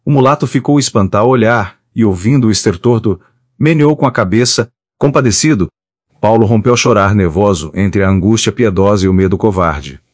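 A man narrating a novel as an audiobook reader, in a steady literary reading style. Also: on the low side, a little fast, no room sound, studio quality. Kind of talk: scripted narration.

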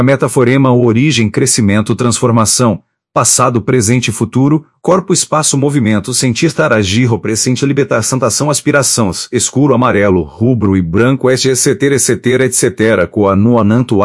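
A man reading a chapter of an audiobook in a steady, measured way. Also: mid-range voice, no echo, studio quality. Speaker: audiobook narrator.

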